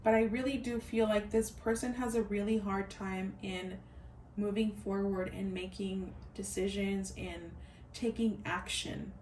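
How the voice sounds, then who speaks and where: A woman's voice: medium pitch, steady tone, a little slow, a little mellow, far from the mic, a little hiss or hum. A woman giving a pick-a-card tarot reading, musing aloud, repeating her phrases and speaking straight to her viewers. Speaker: tarot reader.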